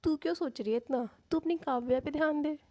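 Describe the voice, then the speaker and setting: A woman's voice: high voice, fairly quick, a little mellow, pitched above the performer's own voice, natural voice. A woman voicing a cocky young woman who jokes and teases in a playful way. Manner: playful, brash.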